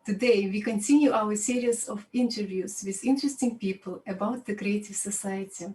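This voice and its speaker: A woman's voice: mid-range voice, fairly even intonation, normal speed, darkish tone. Formal woman host, distant mic. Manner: formal, scripted welcome. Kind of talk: channel opening announcement. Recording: distant mic with faint noise.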